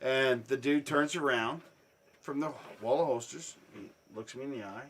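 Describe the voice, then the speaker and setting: A man telling a swear-filled story in a casual chat, dropping low and then bursting into loud shouts. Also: normal speed, slight background noise. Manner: profane, animated, swings from hushed to shouting.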